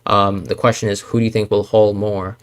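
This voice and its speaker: A man's voice: fairly low pitch, little pitch movement, a little fast. A man from Hong Kong hosting a live Q&A stream, thinking aloud and hedging, with frequent fillers and restarts. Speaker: fantasy football streamer. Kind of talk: live Q&A stream answering chat.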